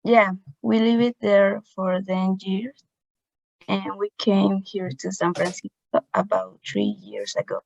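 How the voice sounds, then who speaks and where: A woman student reading a textbook dialogue aloud on a video call, careful and measured. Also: medium pitch, animated, gravelly, a little mellow, no echo. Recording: dull, dry video call audio.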